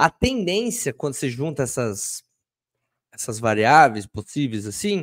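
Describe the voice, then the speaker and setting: Very wide pitch swings in a man's speech, set against a quiet background. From Brazil. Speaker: podcast host. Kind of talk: casual chat. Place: home room. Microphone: studio mic.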